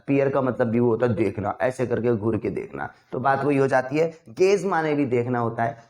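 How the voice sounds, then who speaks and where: A young man teaching English vocabulary in a casual, chatty way. He mixes two languages and slows down to spell out the English example sentences. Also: medium pitch, a little mellow.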